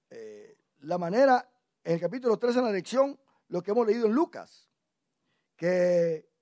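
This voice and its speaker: Animated preaching man, lively pitch. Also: no room sound, studio quality. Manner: animated, asks the congregation questions. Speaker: pastor. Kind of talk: preaching a Bible class. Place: church.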